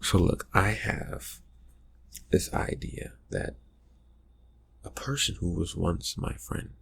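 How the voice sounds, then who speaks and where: A man playing a calmly threatening vampire confronting a friend in a soft-spoken, halting ASMR roleplay, with a husky, gravelly voice. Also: heavily acted. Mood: quietly suspicious. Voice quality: low, husky, gravelly, often breathy. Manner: hesitant, halting, quietly insinuating.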